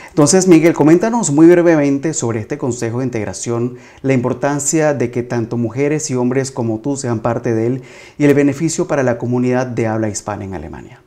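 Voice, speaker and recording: A man's voice: medium pitch, fairly quick, mellow. A man hosting a political talk show, addressing his audience in a formal presenter's manner. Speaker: host, journalist.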